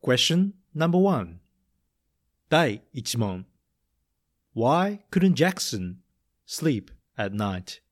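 A man reading a picture book aloud and running a gentle English vocabulary quiz for children, saying each line in English and then in Japanese. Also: mid-range voice, very animated. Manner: slow, careful delivery, repeating each point in English then Japanese. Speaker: storybook reader and English teacher.

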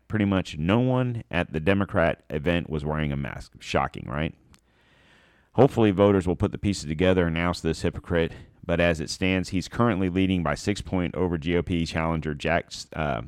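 The host of this podcast, a man with a low-pitched, slightly stuffed-up voice, rambles through blunt, sarcastic political commentary with many fillers. The recording is dry and of studio quality.

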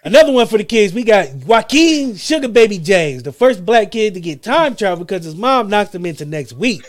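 Animated high-voiced joking man. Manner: hyped, joking, quick bursts with laughs. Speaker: podcast host. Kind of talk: comedic segment in a group podcast chat.

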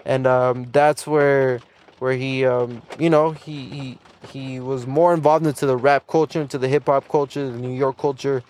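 A man's voice: medium pitch, flat delivery, normal speed, a little mellow. A young man hosting a casual solo podcast, loose and rambling with plenty of fillers, restarts and small laughs. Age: young adult. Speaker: podcast host.

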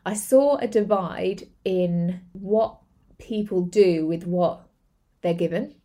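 A woman's voice: fairly low pitch, slow, dark tone. A woman hosting a podcast, talking earnestly and chattily about business, with many fillers and repeated words. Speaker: podcast host, entrepreneur. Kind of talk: motivational monologue.

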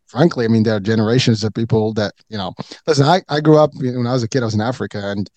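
A man's voice: fairly low pitch, fast, a little mellow, no room sound. A middle-aged man from Morocco chatting as a podcast guest, rambling with many fillers and restarts. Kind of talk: casual chat.

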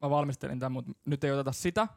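Male podcast host; teasing and quick; dry, close studio sound. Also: medium pitch, gravelly, no echo. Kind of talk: casual chat.

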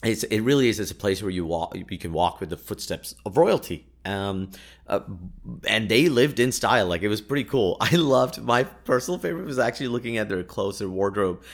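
This young man hosts a podcast and speaks Urdu natively; he recounts his travels in a relaxed, chatty style packed with fillers, false starts and laughter. His gravelly voice sits on the low side, with lively intonation and a brisk pace.

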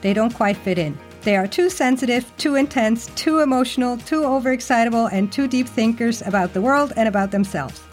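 A woman's voice: on the high side, brisk, hardly any pauses, soft background music. A woman hosting a podcast in a bubbly, talkative way, introducing her show and her guest. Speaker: podcast host and coach.

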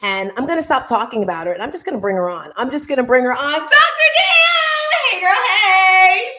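A woman hosting a motivational online talk show in a chatty, animated, exclamatory and playful way. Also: extremely high pitch, a little fast. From Caribbean.

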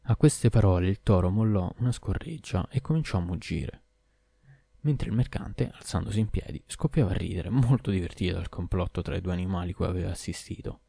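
A man reading a classic tale as an audiobook narrator, in a steady, measured way. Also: low voice, creaky, breathy edge, dry recording.

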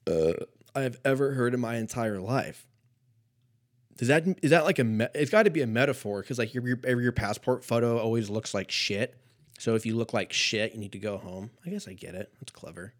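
Thirtysomething guy ranting solo on his podcast, swears a ton, trails off into mumbles then gets loud. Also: mid-range voice, lively intonation, normal speed. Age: 30s. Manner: profane, rambling, drops to mumbles and jumps to loud quips. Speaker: podcast host. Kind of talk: casual solo comedic rant.

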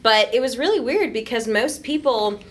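A woman in her thirties, guesting as a voice actor, chats casually through an interview, laughing often and poking fun at herself with sarcasm. Her voice sits on the high side, animated and fairly bright, at a moderate pace.

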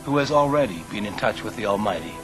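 Man, documentary narrator, deliberate, music underneath. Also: fairly low pitch, expressive, poor audio.

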